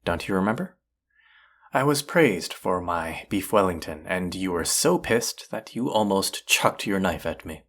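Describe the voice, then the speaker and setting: Casting: male actor as arrogant chef with a low voice, sardonic and needling, secretly fond of his rival, for intimate audio roleplay. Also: animated, measured pace, a bit bright, exaggerated voice. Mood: teasing, irritated. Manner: teasing, sardonic, condescending. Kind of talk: intimate audio roleplay acting addressed to listener.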